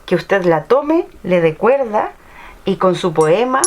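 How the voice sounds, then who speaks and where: A woman's voice: mid-range voice, sing-song, takes it slowly, darkish tone, a little hiss or hum. A woman interviewer speaking politely and formally to her guest in the guest's home. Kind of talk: casual interview.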